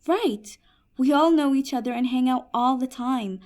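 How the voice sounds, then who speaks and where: A woman's voice: high-pitched, moderate pace, a little mellow, close to an everyday voice. A woman playing a kind, earnest, persuasive djinnia in a fantasy comedy audio drama. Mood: earnest pleading. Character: Peri, kind, earnest young djinnia of smokeless fire.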